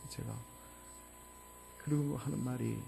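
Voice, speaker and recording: Male pastor, 40s, personal-story sermon; quiet intimate delivery with bursts of passion, faint background music. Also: fairly even intonation, a little slow, vocal fry. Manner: emotional storytelling, mostly low and hushed, rising to loud fervor. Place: church sanctuary.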